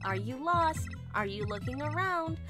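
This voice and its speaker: Robot guide: a woman doing a cheerful little female robot, slightly high voice, polite and formal, over game music. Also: expressive, normal speed. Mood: formal chipper. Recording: game music playing behind.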